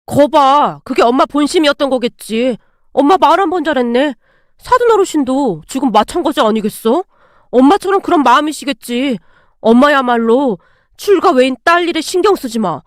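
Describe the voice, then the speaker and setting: A woman's voice: sits high, lively intonation, moderate pace, no echo, clean studio sound. A woman voicing a sarcastic adult son who needles his mother with taunting remarks. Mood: sneering.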